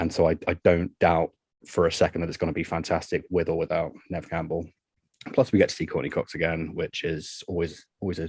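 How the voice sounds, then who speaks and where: A man with an English accent speaks at a fairly quick pace in a dry, close sound with no echo. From UK. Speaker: podcast co-host, horror writer. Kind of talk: casual chat.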